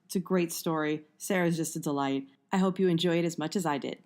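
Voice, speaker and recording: A woman hosts a casual interview show with a strained, husky voice, hoarse from allergies. Her pitch sits low and she laughs easily at her own struggle to speak. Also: quick pace, a little mellow. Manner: laughs often, self-deprecating. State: hoarse, nearly lost voice from allergies. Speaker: podcast host.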